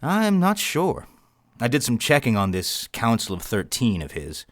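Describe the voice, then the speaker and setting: An actor playing a grave, learned Catholic bishop in an audio drama, speaking in a measured, formal way. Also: male voice, mid-range voice, wildly swooping pitch, dry recording, clean studio sound. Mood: matter-of-fact.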